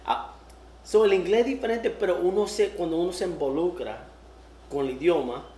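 Hosting a laid-back interview for her podcast, an American-born woman often repeats herself and laughs readily. She has a fairly low, mellow voice at a moderate pace, recorded in an echoey room with faint noise.

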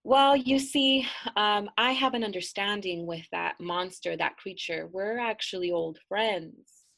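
A woman voicing a cunning, wounded old grandmother in a told folk tale, speaking softly and coaxingly. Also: medium pitch, measured pace, gravelly.

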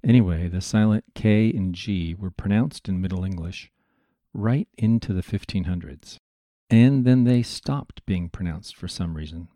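A man's voice: low-pitched, a little slow, dark tone, no room sound, clean studio sound. A man hosting a history podcast, narrating from a script in a chatty, digressive lecturing manner with asides to listeners.

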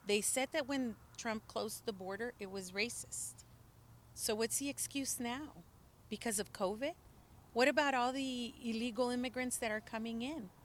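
Speaking outdoors as an interview guest, a middle-aged native Spanish speaker from the El Paso, Texas border region gives impassioned political testimony. She is earnest and emphatic, with some restarts. Her voice is fairly high at a normal speed, with slight background noise.

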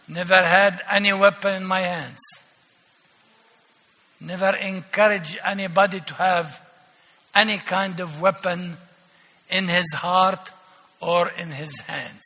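Older guy with preaching slow, ironic and emphatic, high bright voice echoing round a big church. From Palestine. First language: Arabic. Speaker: archbishop preaching as guest. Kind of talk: sermon. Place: large church. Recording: echoey church hall.

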